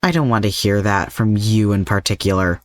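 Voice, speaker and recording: A man's voice: on the low side, moderate pace, dry recording, clean studio sound, lightly acted. A man voicing a defiant, sarcastic young hero held captive in an audio story, snarky and agitated. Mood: angry, accusing.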